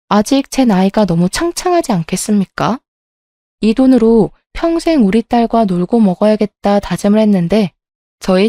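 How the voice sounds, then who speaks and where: A woman reads a first-person life story aloud in a steady, scripted way, with an indignant edge. Her voice is dark and mellow, recorded close and dry with no room sound around it. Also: medium pitch, no room sound. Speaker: story narrator.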